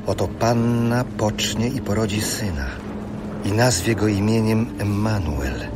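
An actor playing a stern prophet proclaiming in a biblical radio drama. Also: male voice, on the low side, measured pace, over loud music, natural voice. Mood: stern, prophetic. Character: stern Hebrew prophet rebuking a royal house.

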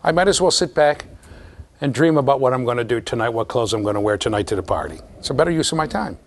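A man with a low voice giving a classroom lecture, talking straight to the students in a lively, conversational way. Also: quick pace, a little hiss or hum. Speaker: university lecturer.

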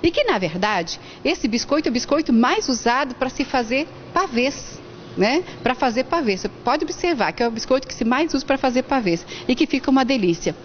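A woman's voice: sits high, lively intonation, a little fast. A woman in her forties hosting a variety show, interviewing a guest at an indoor school fair, chatty and playful, speaking straight to viewers. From Brazil. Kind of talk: on-camera event interview. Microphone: handheld mic. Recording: lo-fi with faint background noise.

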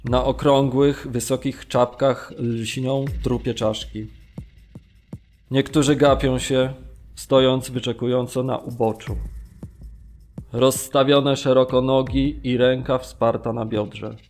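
A man's voice: mid-range voice, little pitch movement, takes it slowly, darkish tone, soft background music. Grave male prisoner recalling horrors. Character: male Polish camp prisoner recalling brutality, grave, restrained. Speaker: narrator reading witness testimony. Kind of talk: scripted radio drama narration.

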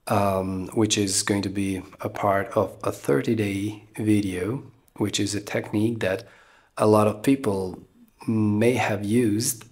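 A man with an Albanian accent and a low voice teaches English in a talking-head video, recorded close up in a small room. He speaks very slowly and haltingly, filling pauses with ums and uhs and tagging "okay?" onto his points. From Eastern Balkans. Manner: slow, halting, many ums and uhs, keeps asking "okay?". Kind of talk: talking-head lesson to camera. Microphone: camera close up at face level.

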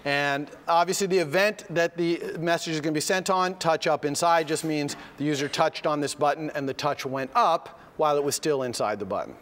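A man with a slightly hoarse voice from a cold, teaching a live coding lecture step by step and often checking in with "okay?". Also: a little high, brisk, hardly any pauses, a bit bright, slight background noise. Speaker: university lecturer. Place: lecture hall. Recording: lecture hall with long reverb.

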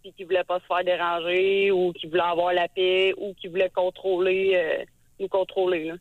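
A Québécois woman in her thirties calling in to a radio show, talking hesitantly with many filler pauses over a phone line. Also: fairly low pitch, flat delivery, no echo. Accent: Québécois French. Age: 30s. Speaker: radio caller. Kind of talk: call-in talk. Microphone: telephone.

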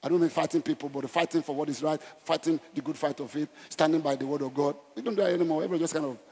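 Racing along in a husky, darkish voice pitched a little high, the Nigerian pastor, middle-aged, drives home his evangelistic message with short, repeated, emphatic phrases and a conversational turn. A headset captures him on a big auditorium stage, where the hall echoes.

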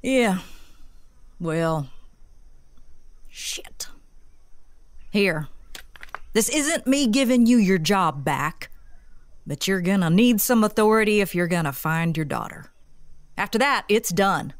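An actress playing a gruff, foul-mouthed woman police boss in an audio drama, blunt and curt. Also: medium pitch, lively intonation, slow pace, long pauses, no echo. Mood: grudging, commanding.

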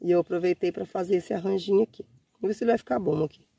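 A woman in her forties, slightly hoarse from a cold, chatting warmly to her phone camera outdoors in a windy garden. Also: fairly low pitch, racing, no echo. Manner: warm, chatty, often says "gente" and diminutives. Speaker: gardening vlogger. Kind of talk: casual chat to camera. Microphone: phone camera held at arm's length. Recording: faint wind noise outdoors.

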